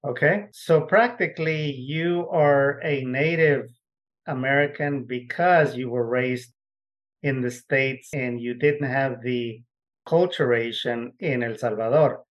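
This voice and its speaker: A man in a podcast studio reads his opening in a measured, formal way. His pitch sits in an everyday middle range. He then moves into friendly interview questions. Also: lo-fi sound. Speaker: podcast host. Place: Texas.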